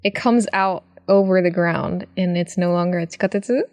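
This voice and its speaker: A woman's voice: on the low side, steady tone, normal speed, darkish tone, dry recording. A woman co-hosting a podcast, chatting casually, slipping Japanese words in and giggling often. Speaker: podcast co-host. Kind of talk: casual chat.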